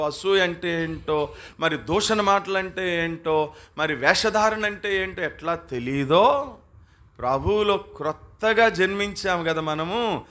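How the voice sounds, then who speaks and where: Bright-voiced man preaching a sermon. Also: a little high. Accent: Telugu. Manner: rhetorical questions to the congregation, acts out quoted voices. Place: church hall.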